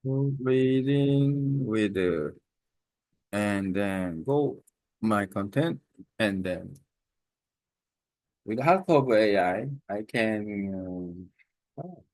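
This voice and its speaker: Halting man, slow and hesitant. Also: on the low side, expressive, darkish tone, no room sound, rough recording. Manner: halting, many fillers and restarts. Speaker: language learner. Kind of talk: casual self-recorded talk.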